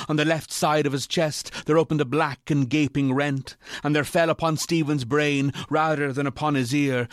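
A man narrating a classic ghost story from a script in a measured, literary storytelling manner. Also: a little high, dry recording, studio quality.

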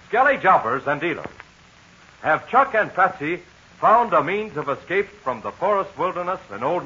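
A man's voice: high-pitched, sharp tone. An American man announcing in scripted 1940s radio style, with an emphatic, chummy salesman's delivery. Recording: dull 1940s radio recording.

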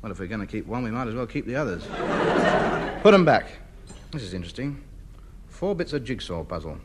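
A man's voice: fairly low pitch, big pitch swings, a little fast. An actor in a 1950s radio comedy playing a fussy, pompous man who hoards junk. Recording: old radio recording, noisy.

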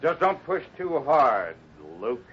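An actor playing a steady, defiant cowboy hero in a radio adventure, speaking in a firm, measured way. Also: male voice, on the high side. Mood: calm defiance. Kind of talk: 1950s radio adventure acting. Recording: muffled, noisy 1950s radio recording.

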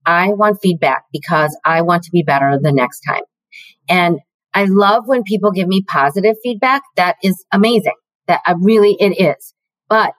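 A middle-aged woman with a deeper voice, answering interview questions in a confident, measured, emphatic way. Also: no echo, poor audio. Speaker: guest, learning and development executive.

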